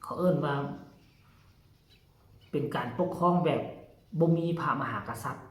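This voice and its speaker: A man's voice: a little high, a little slow. A man with a Lao accent, from Laos, talking to his fans in a casual vlog and lecturing them in a folksy, preachy way. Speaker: vlogger addressing fans. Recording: roomy echo.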